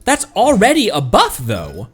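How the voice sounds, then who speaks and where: Male streamer, casual chatty talk, animated up-and-down pitch, slow easy pace, faint game music behind. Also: slightly rough. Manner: chatty, thanks viewers, laughs often.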